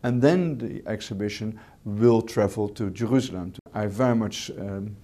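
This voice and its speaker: Dutch-accented man, lowish voice. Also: dark tone. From Netherlands. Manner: measured, with frequent repeated words and "uh" fillers. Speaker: hotel regional manager, interview guest. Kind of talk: interview answers.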